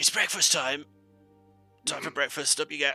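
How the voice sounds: A man puts on a gruff, raspy character voice at a moderate pace. Faint music plays in the background.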